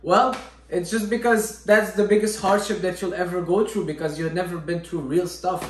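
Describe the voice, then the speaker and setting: A young man with a somewhat high voice, speaking earnestly about discipline as a fitness vlogger. He keeps checking in with his listener. The room around him rings with echo. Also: fairly even intonation, moderate pace. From Syria. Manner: earnest, repeats "all right?" often. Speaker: fitness vlogger, natural bodybuilder. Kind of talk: motivational talk to camera. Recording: echoey room.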